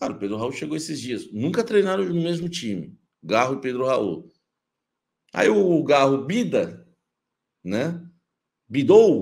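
A man talks in a fairly high pitch with very wide pitch swings, vocal fry and an animated tone. He goes at a fairly slow pace with long, frequent pauses against a quiet background. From Brazil. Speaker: sports journalist. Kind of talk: casual commentary monologue. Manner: animated, complaining tone. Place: studio.

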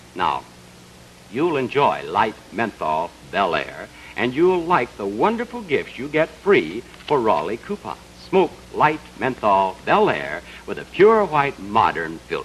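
An American accent at a fairly slow pace, with noticeable background noise. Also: man. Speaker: game show host. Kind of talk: live TV commercial read. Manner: upbeat.

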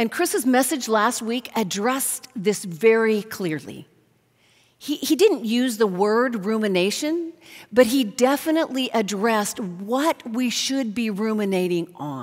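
The speaker uses lively intonation at a fairly slow pace. The background is quiet. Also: woman. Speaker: preacher. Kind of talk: sermon. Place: stage. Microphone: headset.

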